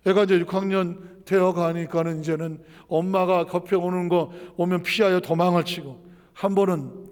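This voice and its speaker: Middle-aged male Korean pastor, storytelling sermon, raised gravelly voice, reverberant hall. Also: high-pitched, darkish tone. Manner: storytelling, asks the congregation questions.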